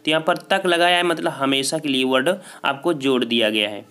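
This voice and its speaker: This teacher's mid-range voice is bright, forceful, clear and resonant, and he talks a little fast while solving a Hindi grammar test for exam prep. He restates every answer and asks it back using "ठीक है".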